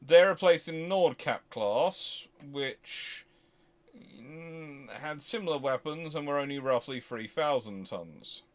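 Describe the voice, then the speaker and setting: A man's voice: a little high, expressive, slow pace. A man hosting an unscripted question-and-answer talk, speaking discursively and working through his thoughts aloud. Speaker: host answering audience questions.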